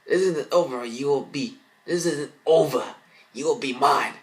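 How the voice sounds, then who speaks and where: Man voicing a high-pitched, menacing female mirror spirit. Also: measured pace, close to an everyday voice. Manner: dramatic, threatening and pleading.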